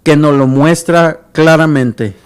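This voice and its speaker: A man's voice: a little high, slow pace, clean tone. A man hosting a Christian radio talk show, earnest, often repeating words as he searches for them.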